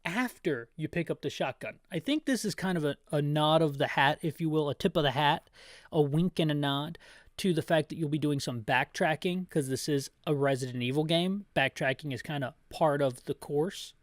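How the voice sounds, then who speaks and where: Higher-pitched man, chatty game playthrough host. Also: moderate pace, dry recording, studio quality. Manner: chatty, tangential, repeats and rephrases himself. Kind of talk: descriptive video game commentary with rambling opinions.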